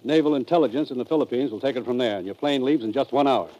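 Man as a mellow, dry spy chief. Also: mid-range voice, fast, highs cut off, natural voice. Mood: evasive, firm. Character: dry, businesslike American spy chief giving orders. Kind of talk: 1950s radio drama acting.

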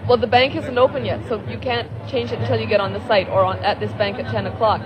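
A woman's voice: on the high side, fairly even intonation, fast talker, crowd noise, poor audio. A woman working as an exhibition hostess, answering interview questions outdoors in a bubbly, chatty way. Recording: archival outdoor recording with background noise. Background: outdoor noise.

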